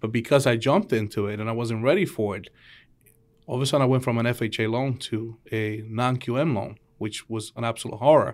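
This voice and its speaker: On a very clean recording with a silent background, a man with an unremarkable speaking voice talks at medium pitch and a fairly quick pace, his intonation fairly even. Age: 40s. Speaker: real estate agent and public speaker. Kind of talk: casual interview.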